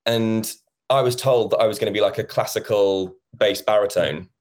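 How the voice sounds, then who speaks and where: A man's voice: lowish voice, fairly even intonation, moderate pace, darkish tone. A man in his thirties, a musical theatre actor chatting as an interview guest and acting out past conversations. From England. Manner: chatty, acts out quoted conversations. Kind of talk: casual interview chat.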